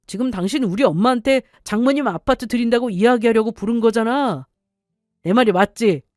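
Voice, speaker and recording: A woman's voice: a little high, a little fast, a little mellow, no echo, clean studio sound, faint music behind, close to an everyday voice. A woman voicing a scheming, threatening middle-aged husband in an audio story. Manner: bullying, threatening, defensive.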